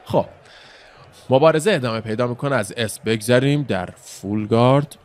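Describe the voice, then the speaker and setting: A man's voice: mid-range voice, darkish tone. A man giving casual play-by-play commentary on an old fight as the channel's host, explaining moves and drifting into chatty asides.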